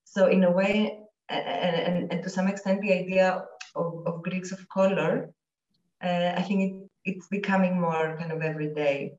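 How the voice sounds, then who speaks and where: A woman interviewer asking a long question, halting and restarting as she searches for words. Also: fairly low pitch, fairly even intonation, darkish tone, echoey room, recorded from a distance, muffled recording.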